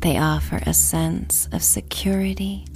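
A woman narrating a sleep story in a soft, breathy, half-whispered voice, gently, with pauses between short phrases. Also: low voice, sing-song, slight background noise. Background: music.

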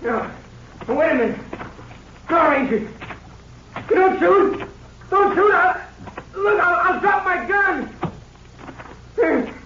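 An actor playing a cowardly, desperate crooked constable who pleads, in a 1950s radio western drama. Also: male voice, very high-pitched, animated, takes it slowly, long pauses, heavily acted. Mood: panicked pleading. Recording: roomy, noisy, dull old radio recording.

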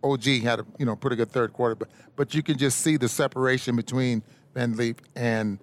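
A man's voice: medium pitch, fairly even intonation, fairly quick. A man on a postgame sports radio show, easily recapping a player's big night and sharing a golf story. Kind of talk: postgame analysis chat.

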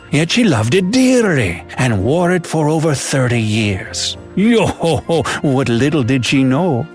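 A man voicing an old male pirate storyteller who tells tales of lost treasure in pirate slang with a theatrical drawl. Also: medium pitch. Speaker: narrator. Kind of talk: scripted narration.

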